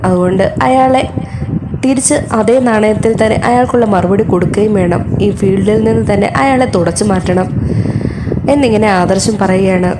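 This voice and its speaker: A woman's voice: mid-range voice, normal speed, very noisy. A woman narrating a serial recap in a casual storytelling way, steadily retelling each scene.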